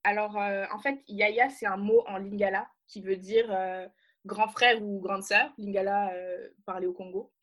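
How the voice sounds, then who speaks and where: A woman's voice: mid-range voice, steady tone, measured pace, fairly bright tone. A young woman from France co-hosting a podcast, explaining things casually with lots of fillers and slang. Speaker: podcast co-host. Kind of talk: casual chat.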